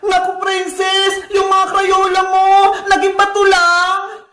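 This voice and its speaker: A woman performing a comedy skit, loud and shouty with frequent giggling. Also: very high-pitched, completely flat delivery, slow pace.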